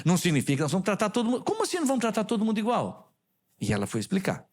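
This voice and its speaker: A man's voice: sits high, very fast. A man with a Brazilian Portuguese accent preaching a sermon as a pastor, who puts questions to the congregation and retells conversations. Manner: animated, quizzes the congregation with questions. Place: church sanctuary.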